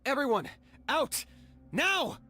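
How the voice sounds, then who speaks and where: A woman's voice: sits high, very animated, slow, bright, forceful tone, exaggerated voice. A woman voicing an urgent, commanding young fighter in a video game, barking out battle orders.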